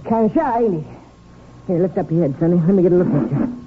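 A woman's voice: on the low side, expressive, quick pace, natural voice. An actress playing a folksy, rambling small-town Texan woman ticket clerk in a 1950s radio drama. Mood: folksy, chatty. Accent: rural Texan. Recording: muffled, noisy 1950s radio recording.

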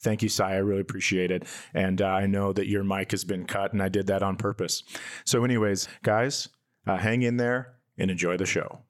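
A man's voice: low-pitched, steady tone, fairly quick. A man hosting a comedy podcast, bantering casually in a playful, joking and crude way. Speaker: podcast host.

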